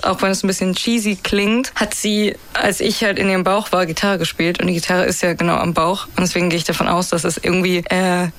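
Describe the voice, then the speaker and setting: A young woman from Berlin, a musician guest, chatting casually in a relaxed, rambling way, a bit tired. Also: on the low side. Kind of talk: casual interview chat.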